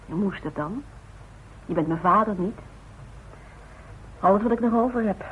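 A woman's voice: mid-range voice, normal speed, phone-quality sound, slight background noise, lightly acted. An actress playing a devoted, worried woman who is firm and direct, in a naturalistic radio play on an old recording. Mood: worried, reproachful. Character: devoted, plain-spoken, worried woman coaxing her stubborn father.

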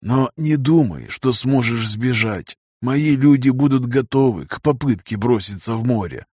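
A man voicing a calm, ruthless old patriarch in an audiobook, speaking slowly and quietly. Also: mid-range voice, breathy edge, no room sound, studio quality. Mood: cold calm. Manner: slow, measured, hushed. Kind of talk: audiobook character reading.

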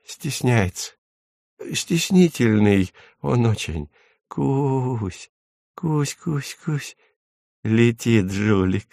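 A man voicing a timid, tender-hearted male commandant who speaks softly and hesitantly. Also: mid-range voice, unhurried, no echo, clean studio sound, voice pushed up, close to an everyday voice. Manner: soft and hesitant.

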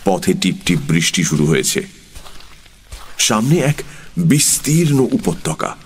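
A man narrating a historical story as an audiobook, measured and unhurried. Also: low voice, very animated, slight background noise.

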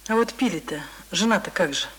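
A woman's voice: on the low side, expressive, brisk, fairly bright tone, husky, heavily acted. An actress playing a sympathetic, inquisitive mother in a Russian radio play, speaking in simple colloquial phrases. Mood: curious, concerned. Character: curious, sympathetic, homely mother of a schoolboy. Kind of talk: Russian radio drama acting. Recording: noisy radio play recording with clicks.

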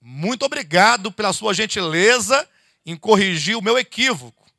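A man's voice: high voice, moderate pace, vocal fry, no echo, clean studio sound. A man from Brazil, a bishop teaching a church Bible study to his congregation in a conversational sermon, firing off rhetorical questions and calling his listeners "dear ones". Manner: animated, rhetorical questions, addresses listeners as "queridos". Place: church meeting hall.

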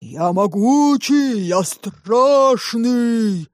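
A woman voicing a dull-witted forest monster that drags out short, muffled commands in a slow monotone. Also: fairly high pitch, no echo, clean studio sound, pitched above the performer's own voice. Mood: menacing. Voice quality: muffled, drawn-out.

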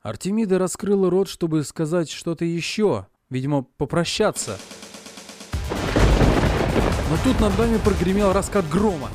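A young man narrating an audiobook in first person, voicing his own lines in expressive dialogue. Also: high-pitched, moderate pace, music in the background. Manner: expressive, moving from quiet narration to heated outbursts.

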